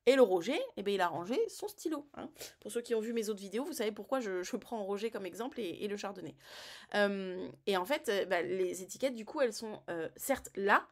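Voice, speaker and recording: A woman vlogger who talks about health news in an emphatic, colloquial and animated way. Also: medium pitch, brisk. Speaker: vlogger giving health advice. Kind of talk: casual commentary vlog.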